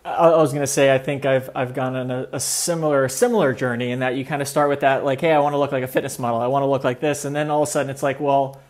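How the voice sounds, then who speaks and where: A man's voice: medium pitch, fairly even intonation, fast talker, few pauses. A man in his thirties hosting an interview over a video call, chatty and eager, with earbuds. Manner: eager, chatty, many fillers. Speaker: host. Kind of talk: casual interview talk. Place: indoor room. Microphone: wired earbuds on a video call.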